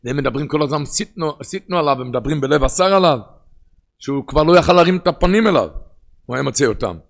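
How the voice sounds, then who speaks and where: A man with an Ashkenazi Hebrew pronunciation giving a sermon in a sing-song study cadence that swings between loud and hushed. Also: a little high, animated, gravelly.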